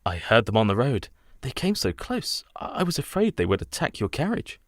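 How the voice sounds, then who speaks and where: Courteous, uneasy young English traveler in a radio play, acted by a man, mid-pitched and expressive. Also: a little fast, dry recording, studio quality. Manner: polite, proper, increasingly nervous.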